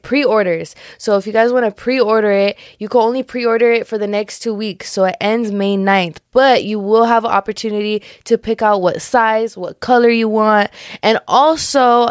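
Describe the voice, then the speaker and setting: Chatty young woman with a raspy voice. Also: medium pitch, dry recording, clean studio sound. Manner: chatty, slangy, lots of fillers. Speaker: podcast host. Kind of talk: casual chat.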